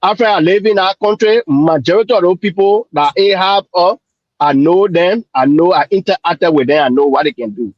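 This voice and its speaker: A man's voice: sits high, normal speed, dry recording. A man joining a talk show remotely off camera, speaking loosely and circling back over his points. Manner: conversational, loose, repeats himself. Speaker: remote co-panelist. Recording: dull lo-fi call audio.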